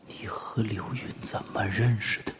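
A man voicing a timid, frightened young woman who speaks softly and hesitantly. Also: lowish voice, steady tone, a little slow, in a whisper, natural voice. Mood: nervous.

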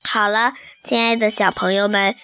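A woman narrating a classic tale for children, with a measured, patient storybook delivery. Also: mid-range voice, flat delivery, pushed and bright, clear, resonant tone, faint music behind.

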